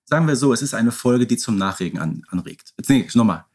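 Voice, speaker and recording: A man's voice: medium pitch, lively intonation, a little fast, a little mellow, slightly rough. A man co-hosting a podcast in casual, conversational talk. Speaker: podcast co-host.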